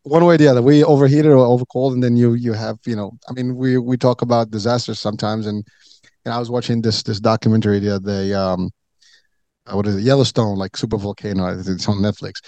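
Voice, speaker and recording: A man's voice: mid-range voice, fairly even intonation, fast talker, dark tone, no room sound. A middle-aged man from Morocco chatting as a podcast guest, rambling with many fillers and restarts. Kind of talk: casual chat.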